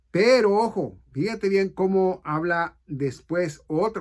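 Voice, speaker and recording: On a very clean recording with a silent background, a man talks in a high voice with lively intonation. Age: 60s. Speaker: bible teacher. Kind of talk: bible study talk. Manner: halting, with fillers and self-corrections.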